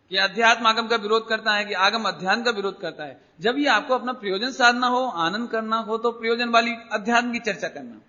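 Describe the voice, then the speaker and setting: A man delivers a religious discourse in a strikingly high, bright and cutting voice. He teaches by prodding his audience with questions and slipping into little acted-out quotes of ordinary people. The recording is muffled and lo-fi. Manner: keeps quizzing the audience with rhetorical questions; acts out everyday people in quoted asides. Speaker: spiritual teacher.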